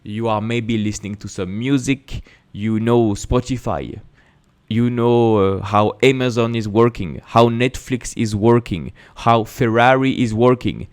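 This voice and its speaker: A man's voice: medium pitch, unhurried. A man with a French accent, a native French speaker, host of an investing channel, talking to camera in an emphatic way with rhetorical questions. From France. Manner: emphatic, repeats words and restarts, rhetorical questions. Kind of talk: casual explanatory talk to camera.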